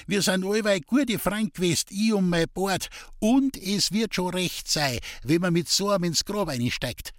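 A man's voice: high-pitched, a little slow, few pauses, no room sound, clean studio sound, voice pushed up. A man voicing an old, good-natured village woman with a silver mustache, in a pleading, whiny sing-song.

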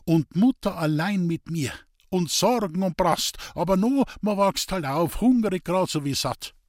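A man's voice: sits high, expressive, a little slow, a little mellow, no echo, clean studio sound, voice pushed up. A man voicing a weary, bitter old village woman speaking in Bavarian dialect in a storybook reading. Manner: plaintive, bitter, resigned.

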